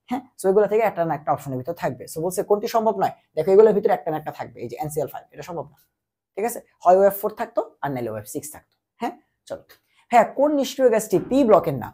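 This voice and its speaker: A young man tutors chemistry for exams while running a fever. His voice is husky and mellow, and he keeps quizzing the listener and answering his own questions. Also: sits high. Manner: repetitive call-and-answer teaching, quizzing the listener. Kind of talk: exam-prep lecture.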